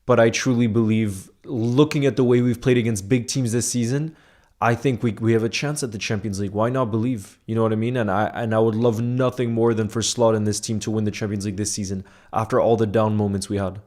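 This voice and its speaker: A man's voice: on the low side, steady tone, brisk, a little mellow. A young man hosting a casual livestream, chatting and reading viewer comments aloud. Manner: conversational, often asks "you know what I mean". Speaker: livestream host.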